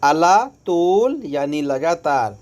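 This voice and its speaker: A man with an Indian accent teaching phrases slowly, repeating each word with stress. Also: on the high side, expressive, a little mellow. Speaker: language teacher. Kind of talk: slow phrase-by-phrase lesson.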